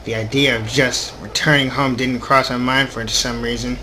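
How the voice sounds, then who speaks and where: A man's voice: medium pitch, level tone, moderate pace, pushed and bright, a little hiss or hum. A young adult man hosting a casual gaming video, reading story text aloud informally with offhand asides and the occasional stumble.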